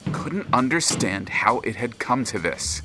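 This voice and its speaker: A man narrating an audio drama in a measured, dramatic manner as a grave storyteller of a troubled tale. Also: medium pitch, animated, music in the background, natural voice. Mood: brooding.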